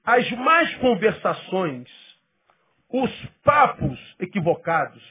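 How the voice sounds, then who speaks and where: A male pastor preaching a sermon, emphatic and then dropping to quiet asides. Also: high-pitched, big pitch swings, phone-quality sound. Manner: acts out quoted people in quick bursts.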